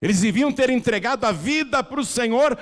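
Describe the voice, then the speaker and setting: A Brazilian man preaching as a pastor, moving between soft pleading and loud, fervent calls to come forward. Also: very high-pitched, lively intonation, a little fast. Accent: Brazilian Portuguese. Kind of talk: preaching a sermon with an altar call. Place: large church hall. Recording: reverberant church hall.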